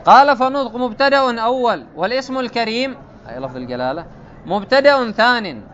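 A man with a notably high voice leads a grammar lesson, laying out each rule in turn and stopping to quiz his students. The recording is dull and lo-fi. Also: expressive, a little fast, fairly bright tone, a little hiss or hum. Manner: explains step by step, quizzes students with repeated checks. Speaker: grammar teacher. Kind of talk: classical Arabic grammar lesson.

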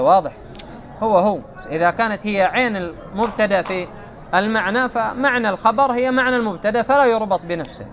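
A man with a notably high voice leads a grammar lesson, laying out each rule in turn and stopping to quiz his students. The recording is dull and lo-fi. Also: a bit bright. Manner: explains step by step, quizzes students with repeated checks. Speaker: grammar teacher. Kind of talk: classical Arabic grammar lesson.

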